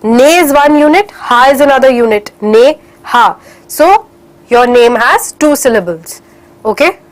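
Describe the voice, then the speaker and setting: A woman's voice: high voice, animated, normal speed. A young woman teaching an online English class for children in Indian English, encouraging and slipping in Hindi phrases, a little stuffy from a cold.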